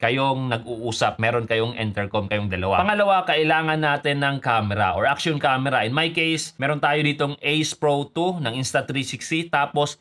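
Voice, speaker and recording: Man, Filipino accent, mid-pitched voice, casual tutorial delivery, conversational vlogger, code-switching with English. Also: moderate pace, hardly any pauses, fairly bright tone. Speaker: motovlogger and presenter.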